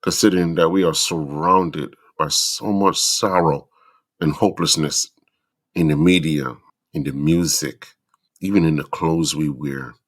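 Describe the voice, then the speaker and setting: A middle-aged man with an extremely deep, low voice, audibly stuffy and congested from a cold. He speaks in an earnest, somewhat preachy way, counting off ideas in slow deliberate lists as he addresses other fathers on his podcast. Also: steady tone. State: stuffy from the flu. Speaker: podcast host. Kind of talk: reflective monologue to fathers.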